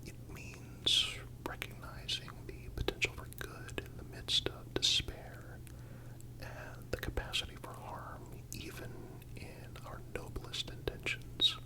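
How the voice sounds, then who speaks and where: An ASMR narrator who whispers throughout at a slow, deliberate pace. The delivery is soothing and scripted, with a breathy, unvoiced texture and careful, measured phrasing. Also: rough recording.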